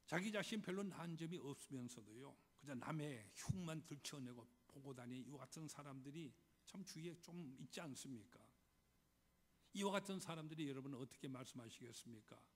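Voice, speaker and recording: A male pastor delivering a Sunday sermon in a church, telling stories and posing rhetorical questions to the congregation. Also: slightly rough. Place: church sanctuary. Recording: reverberant hall with faint low rumble.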